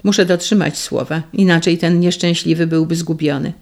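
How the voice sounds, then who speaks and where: A reader voicing a devoted young noble woman in an audiobook, urgent and pleading, with a gravelly edge. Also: lowish voice, steady tone, moderate pace, a little mellow, close to an everyday voice. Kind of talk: audiobook reading.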